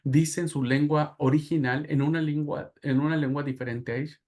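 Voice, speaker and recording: A man from Mexico with a Mexican Spanish accent, teaching a Bible class and telling anecdotes in a lively lecture manner. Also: on the high side, brisk. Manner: animated storytelling with laughs and asides.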